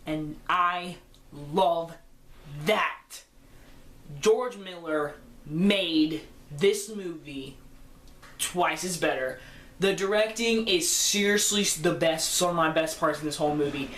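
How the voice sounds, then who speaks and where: A man's voice: fairly high pitch, takes it slowly, fairly bright tone. A fifteen-year-old boy giving an enthusiastic, rambling casual movie review that keeps correcting itself. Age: teenager, fifteen. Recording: roomy echo.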